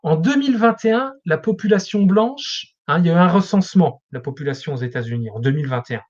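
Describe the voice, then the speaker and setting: A man's voice: on the high side, expressive, fast. Lecturing man on a dull lo-fi line. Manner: lecturing, explains for students. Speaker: guest expert. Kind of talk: explanatory interview talk.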